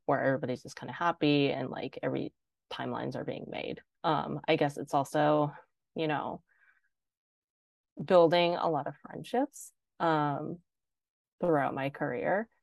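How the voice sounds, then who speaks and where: A young woman with a low voice and a gravelly, fry-laden edge, talking casually as a podcast guest. She fills her sentences with "like" in a relaxed, chatty way. The sound is dry and close. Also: a little slow, no echo. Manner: chatty, heavy use of "like". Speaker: guest designer. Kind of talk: casual interview chat.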